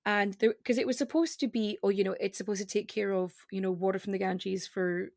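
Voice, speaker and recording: A woman guest with a regional accent on a podcast, chatting casually and rapidly, cutting herself off with fillers. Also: medium pitch, fairly even intonation, gravelly, a little mellow, no echo, clean studio sound. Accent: non-standard regional accent. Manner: rapid, self-interrupting, with frequent fillers.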